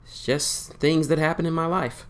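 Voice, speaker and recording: A man's voice: fairly high pitch, fairly even intonation, moderate pace, pitched above the performer's own voice, natural voice. A man voicing a young male hedgehog hero in a fan story read aloud, breezy and modest but panicky when scared.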